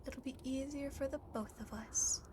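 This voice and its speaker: A woman's voice: high voice, moderate pace, a little mellow, slight background noise, close to an everyday voice. A woman voicing a lonely, possessive demon girl in an ASMR roleplay, often dropping into a whisper, coaxing and condescending as she speaks to the listener. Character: lonely possessive demon girl, coolly teasing, faintly menacing.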